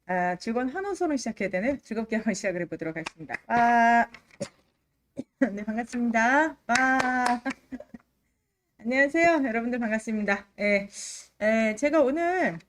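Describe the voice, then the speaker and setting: Lively woman lecturer with strongly varied intonation. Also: a little high, brisk, a little hiss or hum. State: allergy-affected throat, occasional coughing. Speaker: Korean-language exam prep instructor, live lecture host. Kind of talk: livestream lecture, addressing students.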